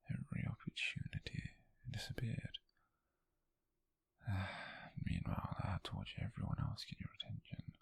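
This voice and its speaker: A British man in an ASMR roleplay, playing an obsessive, possessive lovesick co-worker in a breathy, gravelly whisper, slow and intimate, close to the microphone. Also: low-pitched, fairly bright tone, dry recording, exaggerated voice. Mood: wounded, resentful. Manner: slow, intimate, brooding, with heavy pauses. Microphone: close-up, dry microphone.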